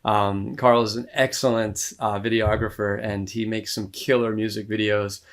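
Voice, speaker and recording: An American man in his thirties talks in an easygoing, rambling way, full of "um"s and quick laughs. His voice sits a little low. He sounds like a guest in a loose podcast conversation. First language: English. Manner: relaxed, rambling, laughs often, many fillers. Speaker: musician guest. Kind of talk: casual interview talk.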